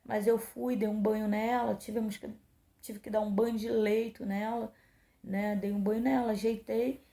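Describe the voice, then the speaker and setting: Emotional woman pastor, gravelly voice in echo. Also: a little high, flat delivery, normal speed, mellow. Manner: emotional storytelling, acting out quoted dialogue. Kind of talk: personal testimony to a congregation. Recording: roomy echo.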